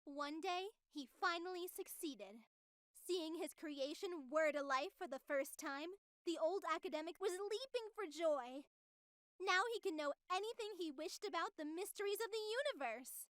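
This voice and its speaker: A woman's voice: very high-pitched, lively intonation, moderate pace, a bit bright, no echo, studio quality. A woman playing a sinister, coolly menacing female artificial superintelligence in a visual novel, with a grandiose, theatrical, politely threatening manner. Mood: sly storytelling. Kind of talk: scripted visual novel voice acting.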